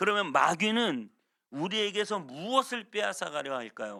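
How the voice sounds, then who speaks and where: Very wide pitch swings mark a bright, sharp tone at a moderate pace. The recording is very clean, with a silent background. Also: man. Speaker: pastor. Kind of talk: sermon. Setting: church.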